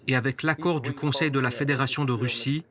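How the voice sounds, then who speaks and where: A man's voice: mid-range voice, steady tone, brisk, crowd noise, lightly acted. A male dubbing artist voicing a stern, formal head of state in a translated official address for a documentary. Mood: formal, solemn.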